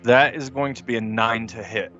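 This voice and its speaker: A man with a mid-pitched voice banters informally as a tabletop game player. His talk is teasing and crude. The audio is a little dull. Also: fairly even intonation, normal speed, bright, forceful tone, soft background music. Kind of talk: casual game chat.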